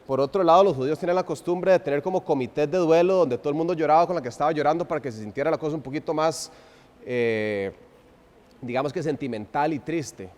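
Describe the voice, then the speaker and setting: A man preaching an expository sermon, swinging from loud emphasis to hushed, drawn-out phrases and asking the congregation rhetorical questions. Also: fairly high pitch. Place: church sanctuary. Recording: long reverb of a church hall.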